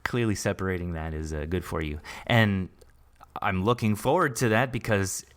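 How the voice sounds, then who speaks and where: A man's voice: deep voice, normal speed, a bit bright. A man hosting a podcast in a conversational interview style, chatty, with hesitant, repeated phrasing. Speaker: podcast host.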